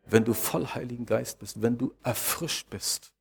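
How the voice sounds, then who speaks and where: A male pastor delivering a sermon in a measured, deliberate way. He circles back on key phrases and poses rhetorical questions. His voice has a gravelly, husky grain. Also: medium pitch.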